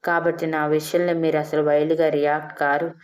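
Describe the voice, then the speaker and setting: A woman's voice: deep voice, little pitch movement, a little fast, natural voice. A woman voicing a playful older wife in an audio story, teasing her husband and then coaxing him. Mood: pleading. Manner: teasing, pleading.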